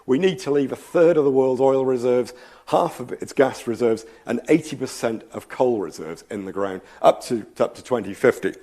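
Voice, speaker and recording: A man's voice: mid-range voice, normal speed, warm tone. Man lecturing with a slight cold. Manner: thoughtful, rambling, frequent ums and asides. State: slight cold, losing his voice. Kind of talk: public science lecture. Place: lecture hall.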